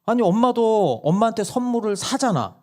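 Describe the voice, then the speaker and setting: A man's voice: high voice, very animated, brisk, dark tone, pitched above the performer's own voice. A man doing a whiny little kid begging for presents. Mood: whiny, pleading. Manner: whiny, argumentative. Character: pestering seven-year-old kid begging for presents.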